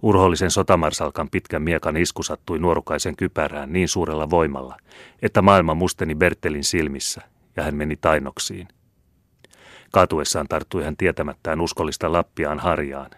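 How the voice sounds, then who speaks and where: A man narrates a classic historical novel in a steady, measured reading. His voice is extremely deep. The recording is dry and close, with no room sound. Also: no room sound. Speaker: audiobook reader. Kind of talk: scripted literary audiobook narration.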